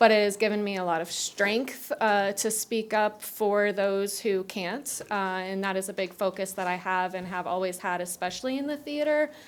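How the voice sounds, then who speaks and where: In a plain, everyday voice with an American accent, a woman speaks at a moderate pace with hardly any pauses, medium pitch and ordinary pitch variation. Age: young. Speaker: political candidate. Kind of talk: candidate interview closing statement.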